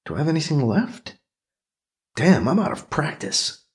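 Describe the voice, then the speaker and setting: Muttering warily, the suspicious, sarcastic Catholic priest of a science fiction audiobook is voiced by a man who keeps the character terse and sardonic. His voice is on the high side, swinging widely in pitch at a moderate pace.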